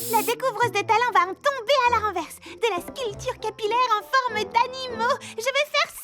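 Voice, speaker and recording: A woman's voice: very high-pitched, moderate pace, over music. A woman voicing a vain, theatrical young girl who gets easily flustered. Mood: dramatic, excited. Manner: theatrical, emphatic. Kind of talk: French cartoon dub acting.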